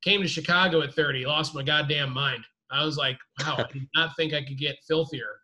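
A man's voice: a little high, a little fast, bright, forceful tone. A man in his late forties in a casual chat, joking and slangy with some swearing. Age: 40s.

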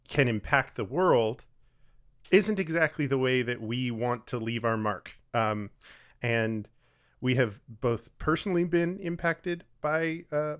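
A man's voice: mid-range voice, clean tone. Late-twenties man from Texas, podcast co-host, easygoing, rambling delivery with fillers. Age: 20s. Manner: relaxed, rambling, with fillers and light laughs. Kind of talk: casual podcast chat.

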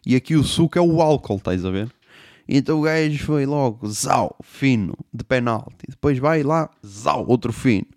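A young man telling a comic story, animated, swearing and making sound effects. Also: medium pitch, moderate pace, no room sound, clean studio sound. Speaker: podcast host.

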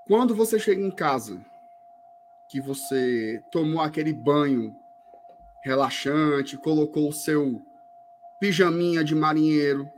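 A man keeps a casual chat moving, playful as he presses his co-host. His voice is a touch high, with a faint hum behind it. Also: a little slow. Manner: playful, pushes questions. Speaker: podcast co-host.

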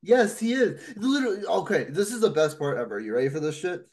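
A man's voice: high voice, big pitch swings, fast talker, a little mellow. A man co-hosting a casual podcast, rambling and swearing as he tells a story, laughing often. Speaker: podcast co-host.

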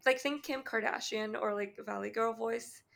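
Deep, fry-heavy Canadian woman. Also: fairly even intonation, fairly bright tone. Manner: long pauses, candid and swearing. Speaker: podcast co-host. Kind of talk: casual chat.

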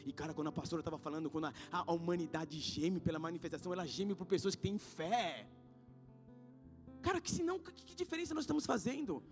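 A man in his thirties with a Brazilian Portuguese accent, preaching in church. He talks in slangy, casual asides, swinging between loud exhortation and hushed storytelling. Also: a little high, expressive, quick pace. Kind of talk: sermon. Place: church sanctuary. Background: faint guitar music.

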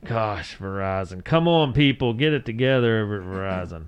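Male co-host, somewhat deep pitch, wry and exasperated for effect, loose conversational banter. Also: lively intonation, fairly quick, smooth, muffled recording. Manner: sarcastic, mock-exasperated. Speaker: podcast co-host. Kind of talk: casual chat, banter.

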